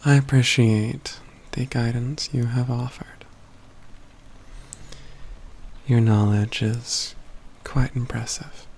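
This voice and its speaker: Man playing a slow, gravelly, aloof mage. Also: medium pitch, a little hiss or hum. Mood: aloof, dryly amused. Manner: formal, measured, haughty phrasing with hushed stretches. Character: aloof, proud mage companion, dryly teasing, secretly fond. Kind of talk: ASMR roleplay acting, soft and intimate.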